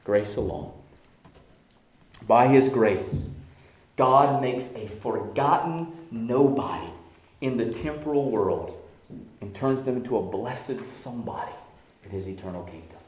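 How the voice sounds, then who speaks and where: A man preaching a sermon as pastor, swinging from shouted passion to hushed, near-whispered lines. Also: mid-range voice, animated, a little slow, pauses often, roomy sound. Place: church sanctuary.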